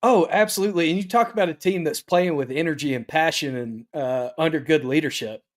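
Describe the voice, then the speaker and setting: A man co-hosting a casual sports podcast, talking in a measured, agreeable way. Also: a little high. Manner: measured, agreeable, many "uh" fillers.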